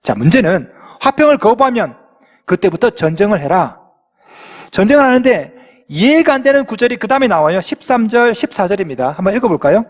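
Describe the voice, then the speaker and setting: Male pastor, sermon, high voice, reads scripture aloud, asks the congregation questions, long church reverb. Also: sing-song, a little fast.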